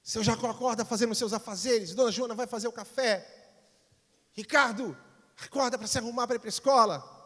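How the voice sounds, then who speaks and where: A Brazilian pastor preaching, telling a dramatic story and acting out its people's voices. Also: male voice, extremely high pitch, fairly even intonation, a little fast, a bit bright. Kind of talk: sermon storytelling. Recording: long reverb of a church hall.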